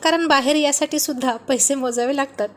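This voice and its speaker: A woman voicing a quick-tempered husband who grumbles and snaps at his wife. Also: sits high, a little hiss or hum, lightly acted. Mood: irritated. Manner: grumbling, irritated.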